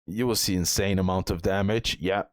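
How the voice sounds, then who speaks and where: A man's voice: sits low, steady tone, moderate pace, dry recording, studio quality. A man giving casual gameplay commentary as the host of a game guide, repeating himself and checking in with the listener.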